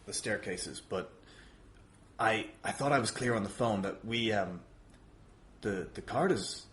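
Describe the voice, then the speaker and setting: A man's voice: on the low side, unhurried. A man as a podcast guest, apologetically and hesitantly placating someone in a comic argument. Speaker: podcast guest, wrestling show promoter. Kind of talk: improvised comedic argument on a podcast.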